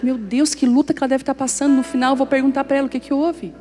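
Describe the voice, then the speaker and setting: Woman pastor preaching, bit high but mellow, soft music under her. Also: fairly even intonation, fast, long reverb tail. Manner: storytelling, acts out dialogue, jokes with congregation. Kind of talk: sermon with personal stories.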